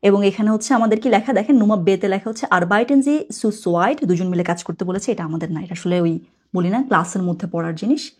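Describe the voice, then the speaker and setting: Breathy-voiced woman teaching German. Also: medium pitch, quick pace. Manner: chatty, explains words step by step and corrects herself. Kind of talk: explaining a textbook lesson.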